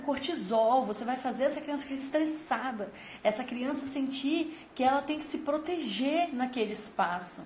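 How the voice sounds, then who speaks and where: A woman with a high, bright-sitting voice gives advice to parents, pressing her points home with vivid comparisons. She sounds emphatic and engaged. Her voice carries a roomy echo, with faint ambience behind it. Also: a little hiss or hum. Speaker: parenting channel host.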